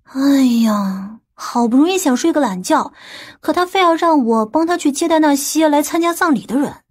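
A woman voicing fretful, excitable women of a wealthy family in an audiobook. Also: sits high, moderate pace. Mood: fretful, complaining. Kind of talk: audiobook character dialogue.

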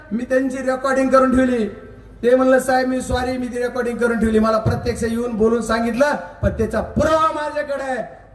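A man giving a combative, mocking election rally speech, shouting at times. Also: very high-pitched, echoey room, recorded from a distance. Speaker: political speaker.

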